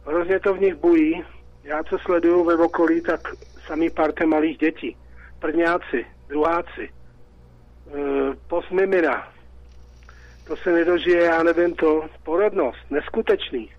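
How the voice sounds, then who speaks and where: A man's voice: fairly high pitch, no echo, highs cut off. A Czech man calling in to a radio talk show, talking in an agitated, repetitive way. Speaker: caller.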